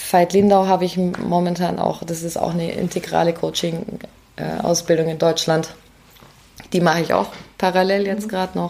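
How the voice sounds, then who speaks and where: A woman talks at a moderate pace in a fairly low pitch. Her intonation is monotone and flat, with noticeable background noise. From Munich, Bavaria; schooling in Vienna from teens. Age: 40s. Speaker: horse-assisted coach, former journalist. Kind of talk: interview. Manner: hesitant, many fillers.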